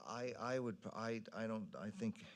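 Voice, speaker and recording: A man's voice: fairly low pitch, fairly even intonation, normal speed. A man speaking as a council member in an informal public meeting discussion.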